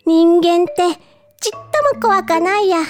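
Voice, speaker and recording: A woman voicing an innocent, cheerful little boy fox cub in a storybook reading, with bright, eager childlike chatter. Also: very high voice, fairly even intonation, normal speed, faint music behind, pitched above the performer's own voice.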